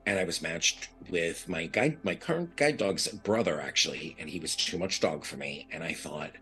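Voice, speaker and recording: A man from New York speaks in an earnest, reflective way, circling back and restarting as he thinks. His voice sits very low in pitch, yet the tone is bright and forceful. Soft music runs faintly underneath. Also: lively intonation, normal speed. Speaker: guest, blind advocate. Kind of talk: candid podcast interview.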